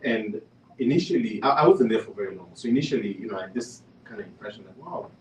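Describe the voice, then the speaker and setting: Speaking fast with a lowish, expressive voice, a man from Kenya shares a story during a panel discussion in a room. He uses fillers and restarts, building toward emphatic points. The echoey recording puts him far from the mic, with slight background noise.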